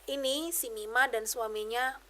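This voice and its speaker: A high-pitched woman shares her own story as a podcast guest. She talks in lively, slangy casual speech and slips English phrases in now and then. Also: a little slow. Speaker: podcast guest giving testimony. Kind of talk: personal testimony, casual chat.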